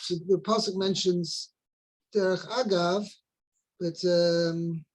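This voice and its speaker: A man, a rabbi, explaining the weekly Torah portion over a video call, unhurried, searching for words and mixing in Hebrew terms. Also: high voice, steady tone.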